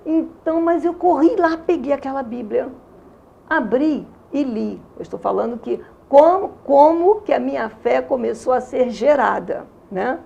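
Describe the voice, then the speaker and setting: A gravelly-voiced Carioca woman in her sixties. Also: high voice, animated, unhurried, dark tone, lo-fi sound. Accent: Carioca Brazilian Portuguese. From Rio de Janeiro, Brazil. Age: 60s. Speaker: interview guest giving a testimony. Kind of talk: religious testimony in conversation.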